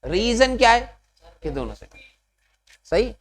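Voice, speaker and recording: A man's voice: very high-pitched, big pitch swings, slow. A man teaching physics to a class, explaining step by step and often stopping to ask the students questions. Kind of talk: classroom lecture.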